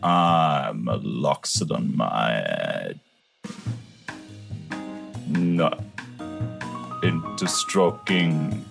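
Guy doing a super slow deep gravelly elephant dude, blunt, game voice, music behind. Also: very animated, heavily acted. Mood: puzzled. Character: gruff elephant-folk man, wary and blunt.

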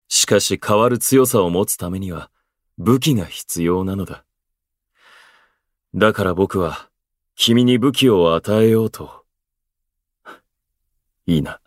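An actor playing an aloof, eloquent station worker in a voice drama, speaking in florid, pompous, unhurried phrases. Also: male voice, sits low, dry recording, clean studio sound, full character voice. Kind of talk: Japanese voice drama acting.

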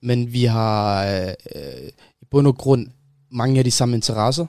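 A man's voice: mid-range voice, dark tone, clean tone, no echo. Young male guest, laid-back storyteller, dry sound. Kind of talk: casual chat.

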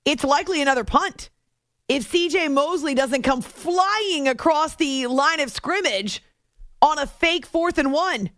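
Female sports radio host, fairly high pitch, animated conversational monologue, dry studio sound. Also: measured pace, no room sound. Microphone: close studio microphone.

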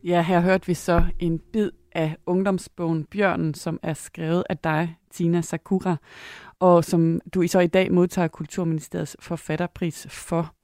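A woman interviewer who calmly guides the conversation about a book and asks questions. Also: lowish voice, dry recording, clean studio sound. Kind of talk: radio interview.

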